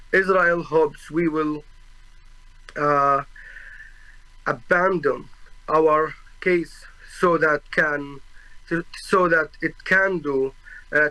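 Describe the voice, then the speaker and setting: Slow, bright-voiced young man with an Arabic accent. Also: a little high, low-quality recording. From Gaza, Palestine. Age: 20s. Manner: halting, searching for words, with frequent restarts and fillers; solemn and earnest. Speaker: witness testifying at a tribunal. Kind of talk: formal personal testimony.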